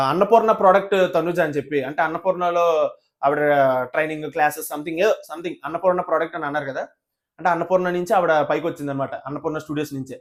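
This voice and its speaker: Fast-talking high-voiced indignant man. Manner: indignant, rhetorical questions, mocking quotes. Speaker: reality show reviewer. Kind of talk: animated opinion commentary.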